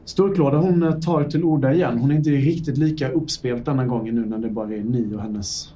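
A man narrating as game master of a tabletop game, in a relaxed way with many fillers. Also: medium pitch, recorded from a distance, a little hiss or hum.

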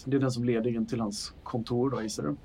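A man's voice: medium pitch, level tone, dark tone, a little hiss or hum. A man narrating as the game master of a tabletop role-playing game, in loose, chatty narration with fillers.

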